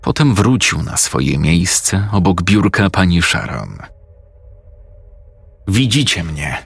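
A man reading a creepypasta horror story aloud as narrator, in a measured storytelling delivery. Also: deep voice, expressive, vocal fry, husky, no echo. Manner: measured storytelling delivery, acting out characters' voices.

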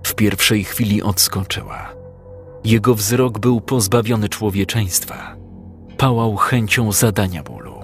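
A man narrating a dramatic story in a calm, measured audiobook reading. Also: fairly low pitch, faint music behind.

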